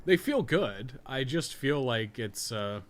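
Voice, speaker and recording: A game live streamer and podcast co-host chats casually while gaming, rambling along and swearing freely. His mid-range voice is expressive and slow-paced, with some background noise behind him.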